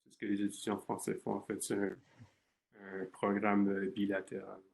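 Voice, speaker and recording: A man's voice: lowish voice, monotone, moderate pace, vocal fry, darkish tone. A man from Canada in his thirties, a research scientist answering interview questions, talking hesitantly with many fillers and restarts.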